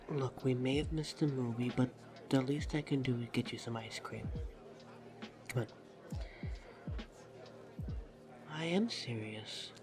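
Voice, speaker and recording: A woman playing a shy, flustered, affectionate date in an intimate, hesitant romantic ASMR roleplay. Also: extremely low pitch. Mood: playful, coaxing. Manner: awkward, hesitant, halting delivery. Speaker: audio roleplay voice actor.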